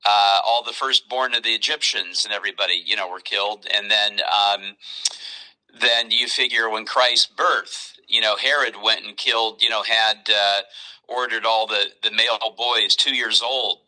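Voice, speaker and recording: A man's voice: on the low side, fairly even intonation, moderate pace, sharp tone, rough recording. A man talking as a guest in a casual phone conversation, explaining things in a loose, discursive way.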